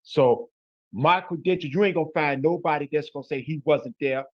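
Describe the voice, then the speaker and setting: A blunt, emphatic man with a Chicago accent, using plenty of street slang. His voice sits a little high for a man. The audio is dry and somewhat dull, like a lo-fi recording. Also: normal speed, no echo. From Chicago, USA. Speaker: guest. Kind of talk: casual interview talk.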